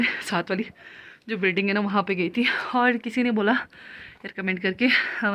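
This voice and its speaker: A young woman from Kinnaur in India, vlogging casually on a phone at home during heavy snowfall. She talks fast and nonstop and is a little out of breath from walking around. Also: lowish voice, a bit bright. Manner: fast, nonstop chatty talk, slightly out of breath. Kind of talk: casual vlog talk to camera. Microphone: handheld phone.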